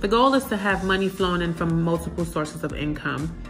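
A woman's fairly low voice with ordinary pitch variation, with clear music in the background. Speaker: style vlogger. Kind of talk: casual vlog chat. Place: home room. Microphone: phone near.

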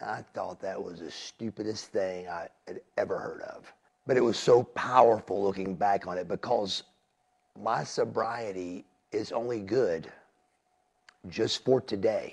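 A man talks at a fairly slow pace, with long, frequent pauses and big swings in loudness. The background is quiet. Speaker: person in addiction recovery. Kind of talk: testimony. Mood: earnest, reflective. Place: studio.

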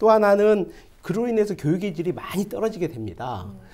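A man speaks at a fairly quick pace. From South Korea. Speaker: former provincial council member; talk show guest. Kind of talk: TV panel discussion. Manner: hesitant, filler-heavy. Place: studio. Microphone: lapel.

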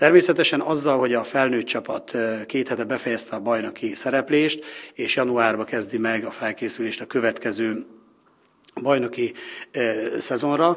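A man talks at a moderate pace with long, frequent pauses. His medium pitch shows ordinary variation. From Hungary. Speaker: football club official. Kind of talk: interview. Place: meeting room. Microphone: handheld.

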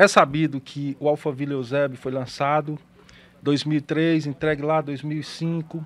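A man's fairly high voice, fairly slow and monotone, with flat intonation. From Viçosa do Ceará, Brazil; Brazil. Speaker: real estate broker; podcast guest. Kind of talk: casual interview. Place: studio. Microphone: studio mic.

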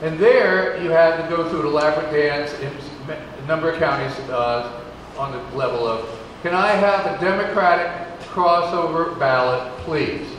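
Audible room echo and light background noise surround a man speaking at a moderate pace. His pitch is fairly high, with ordinary pitch variation. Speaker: election lawsuit activist. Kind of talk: conference panel talk. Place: hall.

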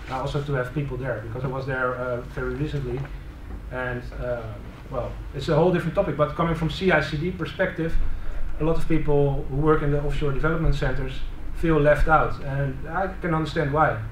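Audible room echo and light background noise surround the recording. A man talks at a fairly quick pace with fairly even intonation. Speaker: conference presenter. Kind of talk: talk answering audience question. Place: meeting room. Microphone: camera far.

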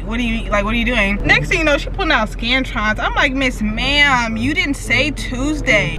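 Over clear music in the background, a woman talks at a fairly quick pace with ordinary pitch variation, the sound dry with no echo. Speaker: college cheerleader vlogger. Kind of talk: casual vlog chat. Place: car.

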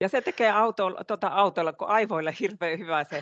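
At a moderate pace, a woman speaks with ordinary pitch variation in a dry sound with no echo against a quiet background. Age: 50s. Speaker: coach and trainer; coach, trainer. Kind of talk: online training session. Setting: video call.

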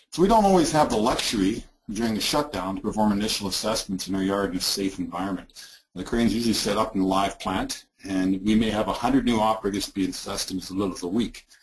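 A very fast pace with ordinary pitch variation, over a quiet background. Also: man, fairly low pitch for a man. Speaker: crane company training and assessment manager. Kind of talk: webinar presentation. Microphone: video call.

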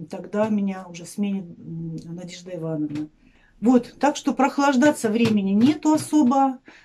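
A dark, mellow, somewhat breathy tone with lively intonation at a moderate pace, over light background noise. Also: woman. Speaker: home vlogger. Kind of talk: casual vlog chat. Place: kitchen. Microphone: phone near.

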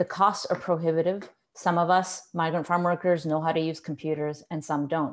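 A woman with a plain, everyday voice, pitched fairly low. She talks at a fairly quick clip with fairly even intonation. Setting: video call. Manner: frequent filler words.

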